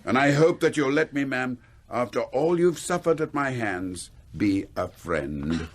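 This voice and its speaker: A man's voice: mid-range voice, unhurried, lightly acted. An older man with an English accent playing a reformed old miser in a radio drama, exuberant, courteous and emotional. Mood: hearty, warm. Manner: excitable, theatrical, old-fashioned courteous speech. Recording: radio drama with background noise.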